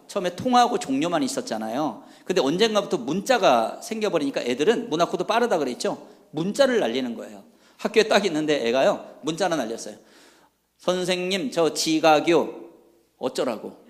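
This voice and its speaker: A man's voice: fairly high pitch, big pitch swings, quick pace. A middle-aged man giving a humorous seminar talk to a congregation, rousing the audience and acting out bits of dialogue. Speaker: church seminar speaker. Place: large church hall. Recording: long hall reverb.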